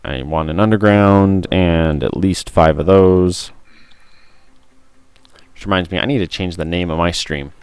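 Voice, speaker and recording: Man, hoarse, gruff, very deep, smooth close mic, casual game stream. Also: measured pace, pauses often, a little mellow, no room sound. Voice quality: gruff, rough voice. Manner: mutters to himself while playing. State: hoarse and tired. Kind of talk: casual gameplay stream chat. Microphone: close studio mic.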